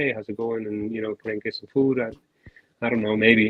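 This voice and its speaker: Mumbling in a put-on character voice with a strong New Jersey accent, a man speaks at medium pitch and a fairly quick pace with monotone, flat intonation. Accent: thick New Jersey. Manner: mumbling, low and evasive.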